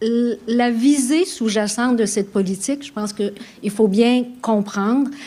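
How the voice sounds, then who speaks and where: Noticeable background noise behind a woman's speech. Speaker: public health policy adviser. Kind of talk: conference presentation. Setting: conference stage with audience. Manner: soft-spoken.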